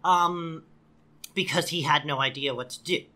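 A woman co-hosting a podcast, recapping a TV episode with sarcastic, animated storytelling. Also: sits low, moderate pace. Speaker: podcast co-host. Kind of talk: casual recap chat.

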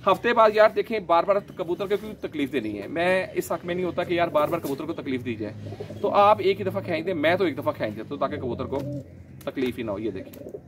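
A man, gently explaining his pigeon keeping in a casual vlog, a little hoarse from a sore throat. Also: on the high side, animated, fast, a little hiss or hum. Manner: chatty, gentle, explains while handling birds. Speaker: pigeon keeper vlogger. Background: pigeons cooing.

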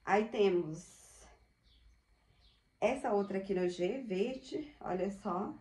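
A woman's voice: medium pitch, slow pace, darkish tone. A woman in her thirties from Brazil, showing thrift clothes to viewers in a chatty, upbeat way, recorded at home on the camera mic. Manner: chatty, upbeat, many diminutives and "olha só" asides. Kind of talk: casual product showcase. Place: small home room indoors. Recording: echoey room.

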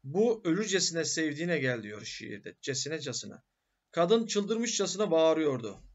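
High-voiced man teaching grammar. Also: very animated, a little slow, highs cut off. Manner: asks and answers his own questions. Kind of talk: grammar lecture.

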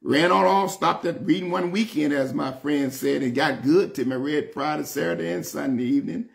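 Sitting at home before French doors, a sixty-something man with a Southern US accent reads and explains scripture in a casual Bible study sermon. His slightly high voice has vocal fry and a moderate pace; he's emphatic and folksy, repeating phrases and calling on listeners.

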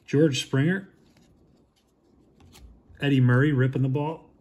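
Slow, low-key man calling out cards. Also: steady tone, darkish tone, breathy edge, dull audio. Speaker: card shop host opening packs. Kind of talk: casual card-opening commentary.

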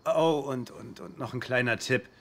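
An actor playing an easygoing, reasonable housemate in a dubbed sitcom, with a dry, teasing manner. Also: male voice, medium pitch, normal speed, vocal fry, fairly bright tone. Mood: dry advice. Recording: noisy sitcom audio with clicks.

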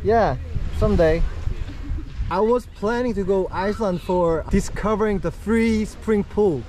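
Late-20s Korean travel vlogger, high animated voice, Korean accent, outdoor noise on an action cam. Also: male voice, measured pace. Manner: friendly, laughs often, simple English. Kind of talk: casual chat with strangers. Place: outdoors on a beach and a town street. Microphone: action camera, no separate mic.

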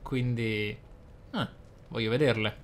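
A man's voice: medium pitch, steady tone, a little hiss or hum. Man doing articulate gameplay commentary. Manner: deliberate, articulate, formal wording. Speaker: gamer, let's play host. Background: video game ambience.

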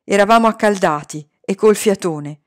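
A woman reads a novel aloud at a steady, unhurried pace. Her voice sits at a middle pitch for a woman, and her telling is calm and measured throughout. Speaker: audiobook reader.

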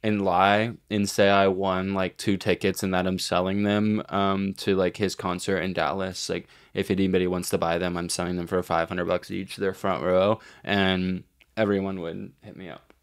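A man's voice: deep voice, level tone, moderate pace, clean tone. A man in his twenties from Texas, co-hosting a podcast in casual, opinionated, slangy chat. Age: 20s. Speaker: podcast co-host. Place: small room, indoors. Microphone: podcast microphone on boom arm.

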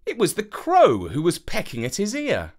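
A woman narrating a children's fairytale as an expressive storyteller. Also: lowish voice, normal speed.

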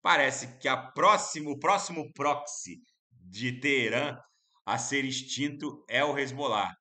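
A man's voice: mid-range voice, unhurried. Emphatic Brazilian man on crypto. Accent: Brazilian Portuguese. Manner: emphatic, opinionated, animated. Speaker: crypto market analyst. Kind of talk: casual market commentary.

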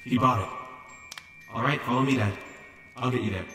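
A man plays an admiral's eager accomplice son in an audio drama. His voice sits at an average male pitch and is deferential, with music clearly underneath. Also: normal speed, natural voice. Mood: assured.

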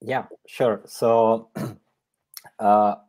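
A middle-aged man from Croatia presenting informally at an online tech session, halting and often pausing mid-phrase. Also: on the low side, steady tone, darkish tone. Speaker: guest speaker, tech presenter. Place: indoor room, video call.

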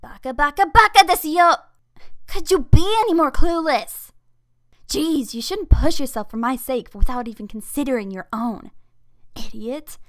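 A woman's voice: high voice, expressive, moderate pace. Woman doing a huffy tsundere anime schoolgirl. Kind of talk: anime character voice acting.

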